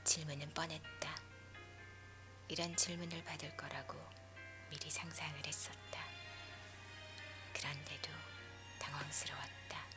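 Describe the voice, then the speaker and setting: A woman leaning in to whisper a story for sleep in a hushed, breathy ASMR narration. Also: low-pitched, flat delivery, a little slow, pauses often. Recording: music behind the voice. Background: music.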